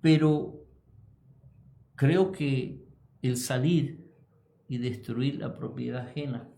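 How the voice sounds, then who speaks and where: A man hosting a Christian radio talk show, speaking haltingly with many pauses. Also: mid-range voice, gravelly, mellow, echoey room. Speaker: radio host.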